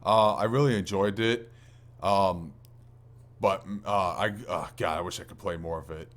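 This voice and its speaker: A man's voice: low-pitched, unhurried, a bit bright. A man hosting a gaming podcast, talking in an informal, rambling way with casual swearing. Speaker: podcast host.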